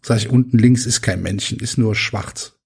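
Husky-voiced man telling a wry story. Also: lowish voice, fairly even intonation, moderate pace, a little mellow. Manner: wry storyteller acting out a phone call. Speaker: podcast co-host. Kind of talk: casual chat, anecdote telling.

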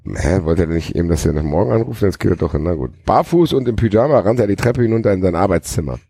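A man hosts a casual podcast, reading a novel aloud and breaking off for jokes. His voice is low and husky with a lively, animated lilt. The sound is dry and close. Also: fast, dry recording. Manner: animated, joking asides. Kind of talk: casual read-aloud with banter.

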